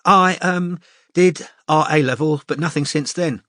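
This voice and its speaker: A woman's voice: low-pitched, a bit bright, no echo, studio quality, voice pushed up. A man voicing a nervous young woman who speaks hesitantly. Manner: hesitant, halting.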